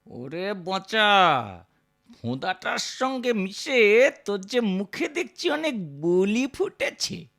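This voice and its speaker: A man's voice: high voice, sing-song, takes it slowly, vocal fry, fairly bright tone, soft background music, full character voice. A man voicing a sly, boastful teenage boy prankster in a cartoon, with a smug, mock-sweet, taunting way of talking. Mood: scolding, menacing. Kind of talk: Bengali cartoon character dialogue.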